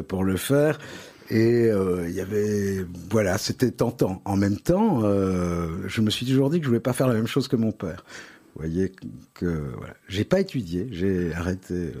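A man's voice: on the low side, a little mellow. A middle-aged man with a Parisian French accent, telling anecdotes wryly in a casual radio interview. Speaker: interview guest, advertising agency head.

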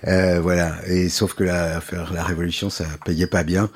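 A man's voice: low voice, flat delivery, normal speed, husky. A middle-aged man with a Parisian French accent, answering as a radio interview guest in a reflective, hesitant way with trailing asides. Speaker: interview guest, advertising agency head.

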